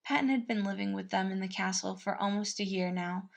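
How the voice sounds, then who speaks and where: A woman reading a scripted story aloud as narrator, expressive and measured. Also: medium pitch, creaky. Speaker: fan-fiction podfic reader.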